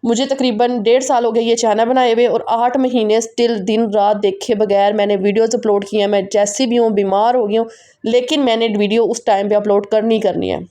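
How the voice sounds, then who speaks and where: A woman vlogger with a Pakistani Urdu accent, chatting quickly and directly to her viewers in a casual voice-over. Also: fairly high pitch, fairly even intonation, warm tone. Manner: fast, run-on, talking straight to viewers.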